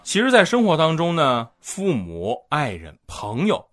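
Male comedy host, animated delivery, fairly high voice, scripted monologue. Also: measured pace, faint music behind. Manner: lively storytelling.

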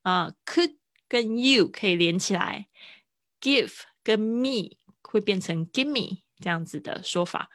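A young adult woman teaching English travel phrases in a livestream lesson. She explains patiently and repeats each phrase slowly and clearly, with casual asides. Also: medium pitch, lively intonation, fairly bright tone, no room sound, clean studio sound. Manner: casual asides with fillers and small laughs.

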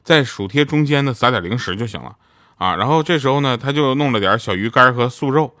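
A man's voice: medium pitch, expressive, a little fast, bright, forceful tone, no echo, clean studio sound. A man who voices radio dramas, telling funny stories in a casual, chatty monologue and laughing at his own punchlines. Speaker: radio drama voice actor promoting his show.

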